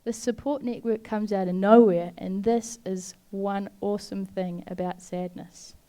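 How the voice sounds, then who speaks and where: A woman giving an earnest devotional talk, speaking straight to the listener in a heartfelt, gently urging way. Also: medium pitch, steady tone, measured pace.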